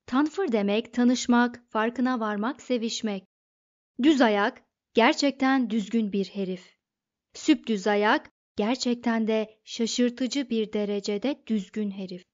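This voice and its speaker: A woman narrating an audiobook in a steady, even storytelling manner. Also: a little high, slow. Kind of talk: scripted narration. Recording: dull lo-fi recording.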